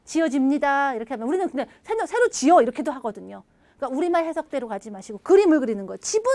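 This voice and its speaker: A woman teaching English grammar in a recorded video lecture, lively and animated, leading her students in repeat-after-me drills. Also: sits high, dry recording. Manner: acts out little dialogue lines in playful voices.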